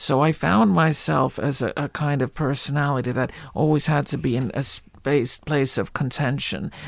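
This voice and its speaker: A man with an American accent speaks in a fairly high pitch with vocal fry and ordinary pitch variation. He keeps a moderate pace with hardly any pauses. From New Jersey, Livingston. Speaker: filmmaker. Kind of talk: casual interview. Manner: halting.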